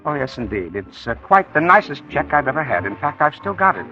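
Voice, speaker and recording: Man acting falsely polite blackmailer, sly, mocking, animated pitch, music faint behind. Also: fairly quick, close to an everyday voice. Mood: menacing. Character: smooth-talking blackmailer, adult man. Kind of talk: 1940s radio acting. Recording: dull lo-fi old radio recording, music underneath.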